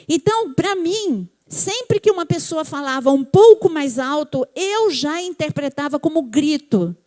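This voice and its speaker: High-voiced Brazilian woman teaching in church. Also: animated, a little slow, a little mellow. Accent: Brazilian Portuguese. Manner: conversational, asks the audience if they follow. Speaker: church speaker. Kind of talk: church talk on emotions.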